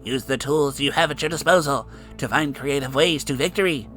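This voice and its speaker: A man voicing a small, wise creature in a comic story, teaching softly and serenely in measured phrases. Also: medium pitch, faint music behind, pitched above the performer's own voice, close to an everyday voice.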